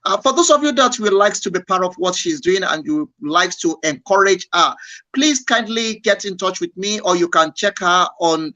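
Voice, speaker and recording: A male radio host with a South African accent and a bright, forceful voice sits close to a dry microphone. He talks with effusive enthusiasm and often repeats words as he praises his guest. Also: sits high, animated, normal speed, dry recording, dull audio. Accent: South African English. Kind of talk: live radio interview.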